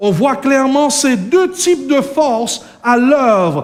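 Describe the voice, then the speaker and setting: A man with an English accent and lively intonation, speaking at a very slow pace amid audible room echo. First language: English (speaking French). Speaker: preacher. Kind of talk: sermon.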